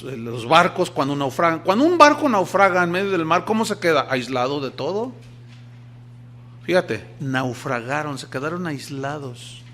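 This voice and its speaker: A man's voice: fairly high pitch, bright, forceful tone. A middle-aged man preaching a sermon, emphatic, telling stories and asking rhetorical questions. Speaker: pastor.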